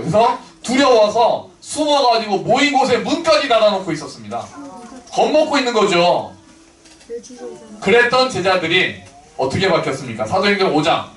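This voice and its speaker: A man's voice: high voice, a bit bright. A man pastor preaching a sermon in a conversational way, acting out quoted people in different voices. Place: church sanctuary. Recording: echoey church hall from far off.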